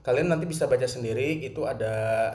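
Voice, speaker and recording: A man's voice: medium pitch, brisk, darkish tone. A male teacher with a Jakarta accent explains a music lesson plainly, asking and answering his own questions. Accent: Jakarta Indonesian. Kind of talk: recorded lesson for students. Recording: roomy with faint ambience.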